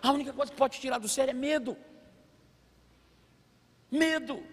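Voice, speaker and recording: High-voiced pastor preaching in a reverberant hall. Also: male voice, moderate pace, some chatter behind, a little hiss or hum. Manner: animated storytelling, acts out voices. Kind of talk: sermon.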